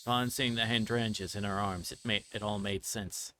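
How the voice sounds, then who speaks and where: A man's voice: fairly low pitch, fairly even intonation, moderate pace, bright, forceful tone. A man livestreaming a visual novel, reading its narration aloud and tripping over words now and then. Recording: music playing behind the voice. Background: game music.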